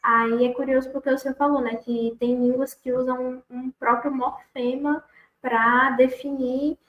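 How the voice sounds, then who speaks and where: A woman's voice: high voice, little pitch movement, a little slow, muffled recording. A woman with a Brazilian Portuguese accent, interviewing with polite, curious, respectful questions. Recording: roomy echo.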